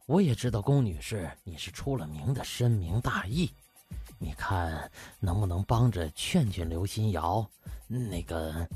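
A man puts on a nervous, deferential hospital official for an audiobook drama. He pleads hesitantly and stammers in a husky voice. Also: low-pitched, a little mellow, no room sound, pitched below the performer's own voice, full character voice. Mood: humble pleading.

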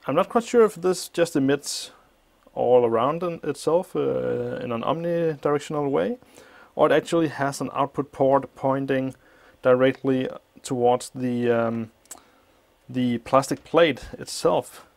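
A man explaining a teardown of an old appliance at a workshop bench, thinking aloud with many pauses, his voice slightly muffled by a mask. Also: medium pitch, gravelly. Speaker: electronics teardown host. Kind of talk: hands-on technical walkthrough.

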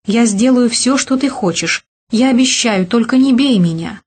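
A woman voicing a fragile young wife who murmurs softly in fear, in an audiobook. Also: medium pitch, normal speed, lightly acted. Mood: pleading. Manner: soft, murmuring.

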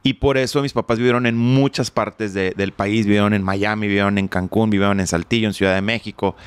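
A man's voice: on the low side, steady tone, a little fast, clean tone, dry recording. A middle-aged man telling stories as an interview guest, joking and swearing casually. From Mexico. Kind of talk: casual storytelling.

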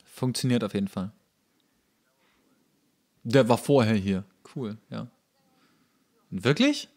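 A man's voice: lowish voice, slow, a little mellow. A man giving casual, sarcastic running commentary on a show as he watches it, as a podcast host.

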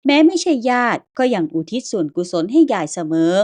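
A gentle old grandmother ghost, put on by a woman storyteller, calm and grateful. She talks in homely, old-fashioned words and reassures rather than frightens. A mid-pitched, even voice suits the storybook telling. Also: fairly quick. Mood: reassuring.

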